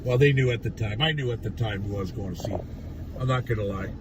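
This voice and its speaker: A man with a raspy voice gone hoarse from days of yelling, ranting bluntly and profanely on a casual livestream from inside his truck. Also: on the low side, quick pace, distant mic, noisy background. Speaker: livestreamer at a protest. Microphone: phone.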